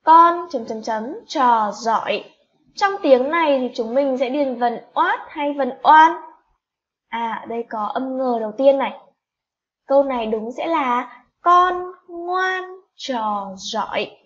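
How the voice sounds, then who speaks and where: A high-pitched woman teacher, drawing out every syllable at an unhurried pace for small children. She spells word by word and gently asks the class questions. The recording sounds a little dull and lo-fi. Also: animated. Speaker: primary school teacher. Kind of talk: slow spelling lesson for young children.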